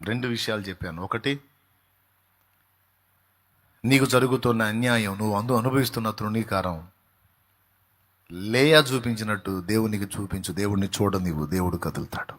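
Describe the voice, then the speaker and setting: A male pastor preaching a sermon with fervour, swinging between quiet, low passages and loud, raised outbursts. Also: moderate pace, long pauses.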